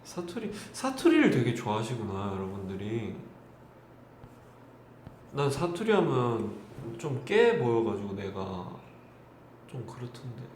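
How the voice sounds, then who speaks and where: With a medium-pitched, slightly mellow voice and huge swings in pitch, this young idol in his twenties speaks at a measured pace and pauses often. He laughs and chats politely with fans on his live stream, in a very echoey room with noticeable background noise.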